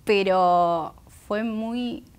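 A woman in her thirties with a Buenos Aires Argentine accent and Guaraní as her first language, reflecting thoughtfully in an interview, pausing between phrases, on a lapel mic. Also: mid-range voice, clear, resonant tone. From Argentina, Buenos Aires area. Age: 30s. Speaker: interview guest, singer and poet. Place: indoor auditorium stage. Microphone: clip-on lapel microphone.

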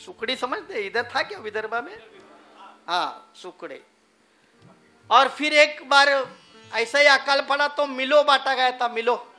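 Male lecturer, rhetorical and needling, a high forceful voice. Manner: rhetorical, asks the audience questions. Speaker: public speaker. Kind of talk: public lecture.

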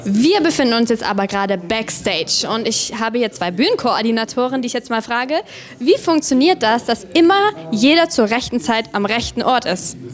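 A woman's voice: on the high side, expressive, moderate pace. Upbeat young woman reporting backstage. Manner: upbeat, enthusiastic questions. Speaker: event reporter. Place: large event hall. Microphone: handheld microphone. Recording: music bed underneath.

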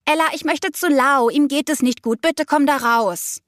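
A pushy, impatient young woman, as a female narrator voices her, calls through a closed door in a clearly raised, brighter voice. She is insistent and a little pleading. The audiobook recording is dry and close, with no room sound. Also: high voice, moderate pace, no room sound, voice pushed up. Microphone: close studio mic.

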